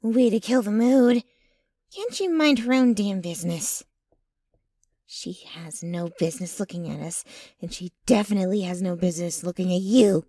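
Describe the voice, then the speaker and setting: A woman's voice: mid-range voice, normal speed, mellow, dry recording, close to an everyday voice. A woman playing a jealous, possessive, dominant yet clingy young girlfriend in an intimate, whispery ASMR roleplay, close to the microphone. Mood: angry. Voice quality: breathy, whispery. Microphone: close microphone, dry.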